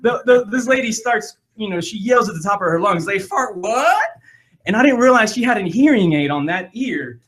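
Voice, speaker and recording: A man's voice: sits high, animated, fairly quick, hardly any pauses, a bit bright. A man hosting a podcast, telling a rambling funny story with lots of repeated words and laughter. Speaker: podcast host. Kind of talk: casual storytelling.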